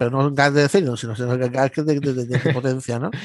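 This man has an ordinary speaking voice at medium pitch. He talks at a fairly slow pace. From Andalusia, Spain (Seville, Córdoba). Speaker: finance professor. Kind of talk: interview.

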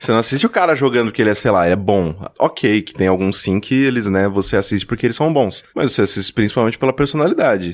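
Very fast, lively intonation with hardly any pauses. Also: man, medium pitch for a man. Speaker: podcast editor and game developer. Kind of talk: casual chat.

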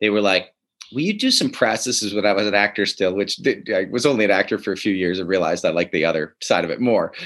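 With a Michigan accent, a man talks in a bright, sharp tone at a fairly low pitch. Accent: Michigan American. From US Midwest (Detroit area). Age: 40s. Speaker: sketch comedy writer and teacher. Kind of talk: casual interview.

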